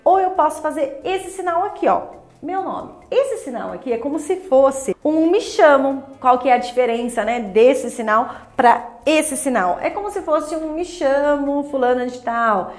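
Brazilian woman teaching signs, high voice, lively, says each phrase twice while showing it. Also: a little slow, reverberant, faint music behind. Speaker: sign language teacher. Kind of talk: friendly instructional explanation.

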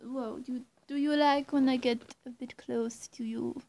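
Young woman playing a slow, high-voiced coy vampire. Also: steady tone, a little mellow. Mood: coaxing. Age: young adult. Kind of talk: roleplay addressed to the listener. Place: small bright bedroom, indoors. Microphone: camera mic at arm's length or closer.

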